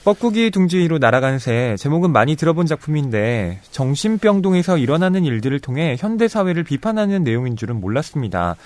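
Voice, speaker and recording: A man's voice: fairly high pitch, sing-song, fast talker, hardly any pauses, a little mellow, dry recording. A man who is a literary critic, co-hosting a casual book podcast and reading out listener comments.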